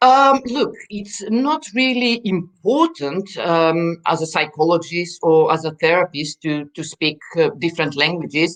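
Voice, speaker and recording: In a Macedonian accent, the speaker uses lively intonation at a fairly slow pace. There are hardly any pauses. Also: woman, fairly low pitch for a woman. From North Macedonia. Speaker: psychologist. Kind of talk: interview. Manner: halting, many fillers.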